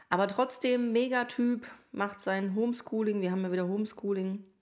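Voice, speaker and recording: At a moderate pace, a woman with an ordinary speaking voice talks with fairly even intonation. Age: 40s. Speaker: podcast host, single mother. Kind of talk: casual monologue.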